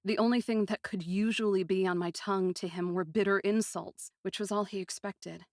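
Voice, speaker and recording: A woman narrating a first-person fantasy story in an expressive, literary manner with deliberate phrasing. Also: mid-range voice, no room sound, clean studio sound.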